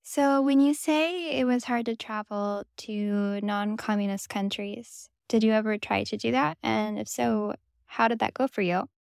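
Curious woman interviewer, higher voice. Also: gravelly, smooth, dry recording. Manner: curious, casual, quick follow-up questions. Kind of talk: conversational interview.

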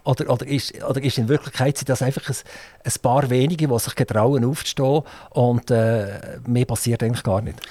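A man's voice: medium pitch, steady tone, fairly quick, warm tone, no room sound. Swiss german radio guy interviewing, long rambling questions, dry booth sound. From Switzerland. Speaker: radio host. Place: radio studio.

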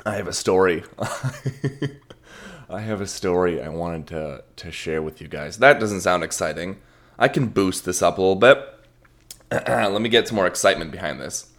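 A man's voice: low-pitched, lively intonation, measured pace, fairly bright tone. A young adult man hosting a podcast, telling a rambling, self-deprecating story and swearing casually. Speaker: podcast host.

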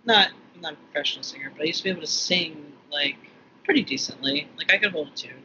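A man with a highish voice talks fast as a podcast co-host, chatting casually, rambling, restarting often, and laughing easily. The audio is dull and lo-fi, with faint room noise.

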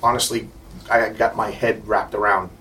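A man's voice: fairly low pitch, level tone, normal speed, a bit bright. A middle-aged man from Italy talking enthusiastically on a panel as a composer, rambling with many fillers. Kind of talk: convention panel talk. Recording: distant mic, faint background noise.

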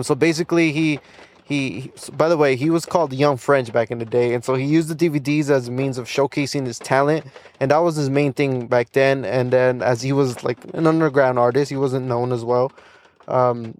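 A young man hosting a casual solo podcast, loose and rambling with plenty of fillers, restarts and small laughs. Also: medium pitch. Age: young adult. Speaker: podcast host.

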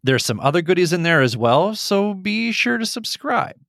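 A middle-aged man hosting a podcast and leading a guided meditation in a calm, gentle, instructive way. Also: high voice, normal speed, no room sound, clean studio sound.

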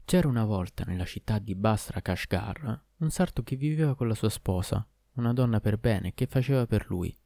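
A man reading a folk tale aloud as narrator, in a measured storybook way. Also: lowish voice, lively intonation, gravelly, mellow, no room sound, clean studio sound.

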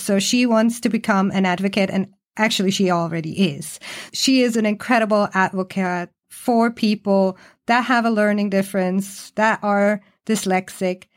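A woman hosting a podcast in a bubbly, talkative way, introducing her show and her guest. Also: mid-range voice. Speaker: podcast host and coach.

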